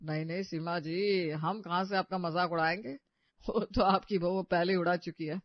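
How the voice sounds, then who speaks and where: A man's voice: high voice, fairly even intonation, normal speed, no room sound, natural voice. Man voicing a mocking, teasing father-in-law. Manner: sarcastic, teasing. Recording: dry, slightly dull audio.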